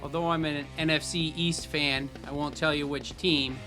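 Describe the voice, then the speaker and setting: A man's voice: on the high side, little pitch movement, moderate pace, over music. A man giving a casual on-camera answer as an interviewee.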